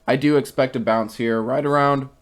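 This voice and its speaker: A man's voice: medium pitch, fairly even intonation, normal speed. A man who is losing his voice talks casually through stock charts and market news for his viewers, reading out a company statement and then giving his own opinions. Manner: conversational, reads quotes then gives opinions.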